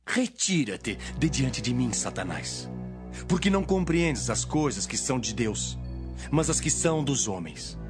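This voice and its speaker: An actor playing Jesus as a stern, authoritative teacher, solemn and emphatic in a dramatised Bible reading. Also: male voice, medium pitch, very animated, unhurried. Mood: rebuking. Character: Jesus, stern authoritative male teacher rebuking and instructing followers. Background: music.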